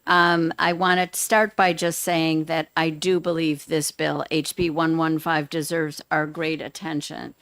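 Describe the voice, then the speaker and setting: A retired educator, a woman, giving measured, earnest public testimony at a hearing. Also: lowish voice, fairly bright tone, no room sound. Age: older.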